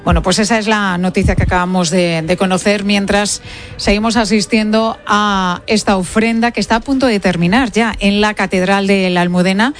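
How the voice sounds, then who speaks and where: A woman anchoring live news commentary, measured and deliberate as she reads out breaking news. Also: mid-range voice, steady tone.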